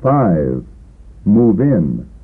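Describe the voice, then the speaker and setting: A man reading scripted English drills as a language course narrator, with careful, deliberate enunciation. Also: low voice, big pitch swings. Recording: husky, phone-like old lesson tape.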